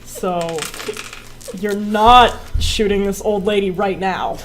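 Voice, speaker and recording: A woman narrating as game master of a tabletop role-playing game, chatty and quick to laugh. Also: mid-range voice, steady tone, slight background noise, rough recording.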